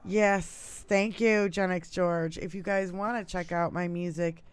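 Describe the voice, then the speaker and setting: Woman, 50s, live-show co-host; smooth, clear tone, dead dry mic, rowdy and profane. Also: fairly low pitch, steady tone, unhurried, no echo. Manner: boisterous, swears freely, laughs often. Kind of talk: loose live-stream banter.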